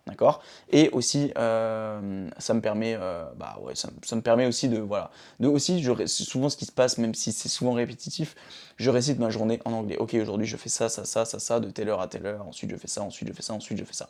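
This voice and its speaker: A man's voice: mid-range voice, darkish tone. A young man from France talking informally to his phone camera about his daily routines, often checking in with the viewer. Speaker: vlogger. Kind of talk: casual self-help talk to camera.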